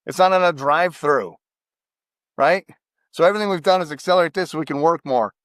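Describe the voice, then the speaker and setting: An American man talks in an emphatic, animated way, and his voice sits a little high for a man. It is recorded close and dry, with no room sound, in a relaxed podcast conversation. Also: a little fast, no echo. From United States.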